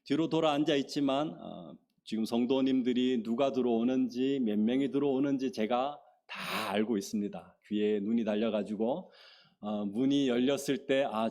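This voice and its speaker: A man, a missionary pastor, preaching a sermon in an earnest storytelling manner with frequent pauses and fillers. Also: darkish tone. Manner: acts out his own prayers with rising pitch and emphasis. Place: church sanctuary.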